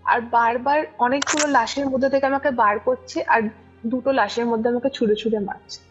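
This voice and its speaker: A young woman, a guest, recounts a personal ghost experience in a casual, conversational way, often checking that her listener is following. Her voice is on the high side, steady and brisk, captured as muffled lo-fi audio over background music.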